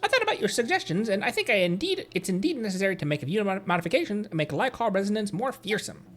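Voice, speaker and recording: A woman's voice: mid-range voice, very animated, quick pace, faint music behind, voice pushed down. A woman voicing a formal, wordy, exacting trial organiser as she reads fantasy game dialogue aloud. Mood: composed, exacting.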